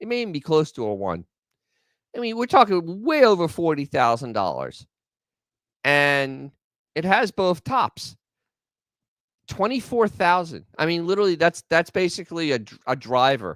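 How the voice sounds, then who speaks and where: An animated tone in a New York accent, broken by long, frequent pauses. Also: moderate pace. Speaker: classic car show host. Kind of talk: live show commentary.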